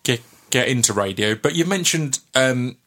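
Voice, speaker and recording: A man's voice: medium pitch, animated, moderate pace, a bit bright. A man hosting an interview, enthusiastic and rambling, with lots of restarts and repeated words. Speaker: podcast host. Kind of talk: casual interview chat.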